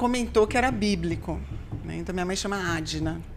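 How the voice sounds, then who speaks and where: Noticeable background noise and audible echo in the room surround a woman as she talks. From São Paulo state, born in Bahia. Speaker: physician. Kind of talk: casual chat.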